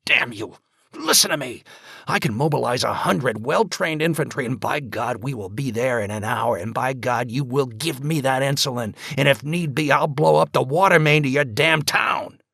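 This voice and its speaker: A man voicing a desperate, furious father who shouts and rages. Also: medium pitch, normal speed, gravelly, breathy edge, no echo, studio quality, pitched above the performer's own voice. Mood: raging. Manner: shouting, raging.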